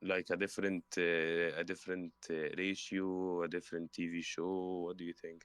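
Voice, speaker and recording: Speaking with hardly any pauses, a man uses a very deep, low pitch and monotone, flat intonation in a dry, close sound with no echo. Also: moderate pace. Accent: Arabic. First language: Arabic. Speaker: caller in live Q&A stream. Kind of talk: casual chat. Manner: halting, many fillers.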